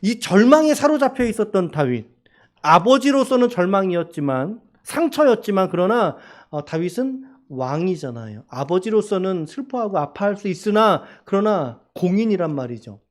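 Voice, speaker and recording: A man's voice: high-pitched, big pitch swings, moderate pace. A man preaching a sermon as a pastor in a church, asking the congregation questions and crying out quoted lines dramatically. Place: church sanctuary.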